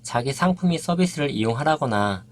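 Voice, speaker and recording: A man narrating a nonfiction book in an even, measured reading voice. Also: medium pitch, slight background noise. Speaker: audiobook narrator.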